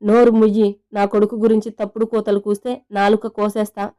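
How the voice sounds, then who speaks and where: An enraged father in his fifties, read by a woman storyteller, hurling threats and accusations over his dead son. The delivery stays level and flat, in a smooth, mellow voice. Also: medium pitch, a little fast, natural voice. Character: furious grieving father, man in his fifties, vengeful.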